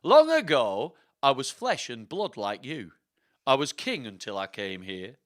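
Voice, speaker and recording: A dead king's ghost, acted out by a man, tells his storybook tale in the first person. The delivery is slow and theatrical in a put-on rustic accent, with a bright, forceful tone and broad swings of intonation. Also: mid-range voice, big pitch swings. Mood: brooding, wistful. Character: dead King Richard the third, dramatic rustic storytelling ghost.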